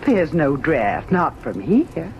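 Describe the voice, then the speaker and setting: An actress playing a solicitous household servant in an old-time radio drama, coaxing, fussy and deferential. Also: female voice, low-pitched, huge pitch swings, slow, exaggerated voice. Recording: muffled old radio recording, faint noise.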